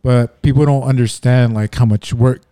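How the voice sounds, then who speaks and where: A man's voice: medium pitch, steady tone, moderate pace, dark tone, dry recording, clean studio sound. A man in a casual chat, talking in a laid-back, agreeing way with lots of "you know".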